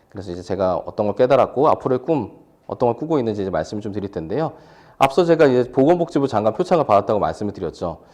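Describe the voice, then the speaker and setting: Against a quiet background, a man talks very fast at medium pitch, his voice making very wide pitch swings. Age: 40s. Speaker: medical social worker and doctoral student. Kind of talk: lecture. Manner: hesitant fillers, conversational.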